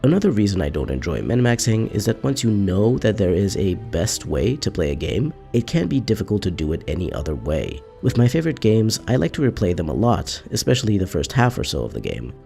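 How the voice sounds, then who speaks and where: A man hosting his own gaming channel, reading a scripted video essay in a calm, measured, explanatory way. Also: lowish voice, gravelly.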